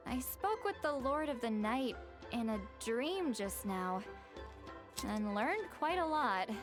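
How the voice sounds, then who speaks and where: A woman playing a composed female warrior in a video game, explaining things in a measured, earnest, articulate way. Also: a little high, very animated, music in the background. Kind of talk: video game character acting.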